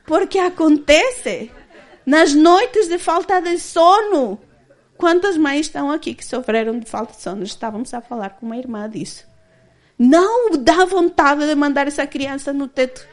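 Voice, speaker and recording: A woman's voice: high voice, lively intonation, normal speed. A woman in her thirties giving a candid personal testimony as a church speaker, often laughing as she tells it.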